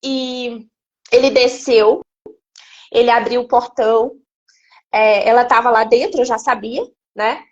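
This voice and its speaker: A woman, a guest giving an emotional personal testimony in an animated storytelling way. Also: on the high side, unhurried, pauses often, lo-fi sound. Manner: animated storytelling, acting out quoted speech. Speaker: interview guest.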